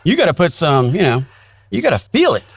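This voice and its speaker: A man with a fairly high, very animated voice hosts a podcast. He asks questions in a casual, chatty style, and the sound is very dry. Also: brisk, vocal fry, slightly rough, no room sound. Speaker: podcast host.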